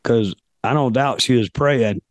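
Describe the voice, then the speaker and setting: A podcast host from South Carolina, a man who is hoarse and losing his voice, delivers a reflective monologue in a mid-range voice. He speaks deliberately, pausing often with fillers, and the recording is dry.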